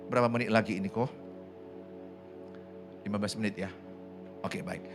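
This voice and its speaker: A man's voice: fairly low pitch, steady tone, moderate pace, creaky, over music. A man preaching a sermon as pastor, humorous and acting out everyday dialogue, then rising to impassioned exhortation. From Indonesia. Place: church.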